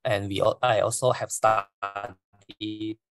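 A Malaysian man in his forties talks through a briefing on a video call, stopping and repeating words as he goes. His voice sits low. The sound is dry and close. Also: fairly even intonation, fairly bright tone, no room sound. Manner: halting, repeats words, non-native grammar. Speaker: lecturer.

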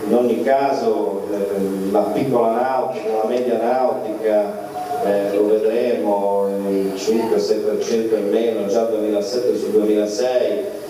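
A man in his forties gives a measured press-conference answer, halting often on filler sounds. His voice is low and dark. It comes from a distance through a handheld mic into a big echoey hall with faint ambient noise. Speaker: trade fair executive at a press conference. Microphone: handheld mic, heard through the room.

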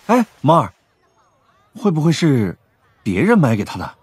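An actor playing a cool, terse police detective in an audio drama. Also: male voice, fairly high pitch, wildly swooping pitch, normal speed, breathy edge, no echo, heavily acted. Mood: hesitant.

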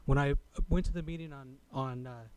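A man speaking as a resident at a public meeting, delivering a prepared comment in a formal, deliberate way. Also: medium pitch, steady tone, smooth, dry recording. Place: city council chamber.

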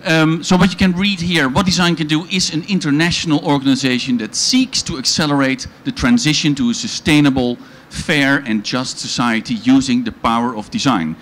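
A man's voice: medium pitch, a little fast, hardly any pauses, fairly bright tone, a little hiss or hum. A middle-aged man with a Dutch accent giving a conference presentation on a pavilion stage through a handheld mic, chatty and full of ums and restarts. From Netherlands. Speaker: organization founder presenting at a panel. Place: event pavilion stage with audience.

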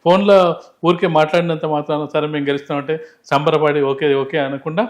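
A quick-speaking man. He explains politics off the cuff as an analyst, stressing points by saying them again. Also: a little high, fairly even intonation. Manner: emphatic, explanatory, repeats phrases for emphasis. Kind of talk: unscripted political commentary in an interview.

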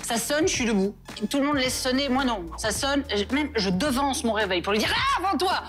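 A woman from Belgium with a Belgian French accent, a guest chatting in a lively, playful way. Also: fairly high pitch, a little fast, music in the background. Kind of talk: casual chat.

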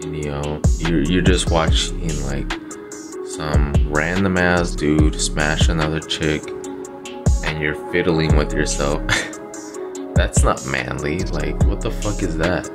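Young man in his twenties, very low voice, unhurried delivery; casual vlogger rambling with slang into a phone camera in a small bedroom, loud music underneath. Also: steady tone. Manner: casual, rambling, peppered with "you know" and slang. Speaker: channel host. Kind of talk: casual self-improvement vlog. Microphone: phone camera close up.

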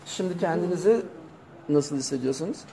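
A man leading a live seminar session, calmly repeating back what participants say. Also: on the high side, a little fast, vocal fry, a little hiss or hum. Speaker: seminar leader.

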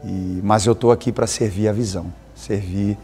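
A man's voice: on the low side, fairly even intonation, normal speed, gravelly, mellow, faint music behind. A man who leads a ministry, speaking earnestly and with some hesitation in a documentary interview. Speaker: church minister.

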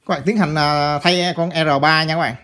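A chatty man walks viewers through a circuit board repair at his workbench. His voice sits a little high for a man, and he keeps repeating phrases and calling out to the audience as he works. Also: fairly even intonation, normal speed, bright, forceful tone. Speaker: electronics repair instructor. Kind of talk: casual hands-on repair tutorial.

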